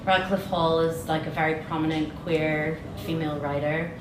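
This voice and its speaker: Woman doing a casual gallery intro, bit hesitant, distant mic, echo and clear background noise. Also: low voice, moderate pace. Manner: relaxed, conversational, hesitant. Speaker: exhibition tour host. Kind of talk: informal public talk. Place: indoor gallery space. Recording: echoey room, distant mic, noisy.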